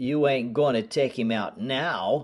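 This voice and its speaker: A put-on character voice, growling at a fairly slow pace with ordinary pitch variation. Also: man. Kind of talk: rough frontier dialect. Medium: read story.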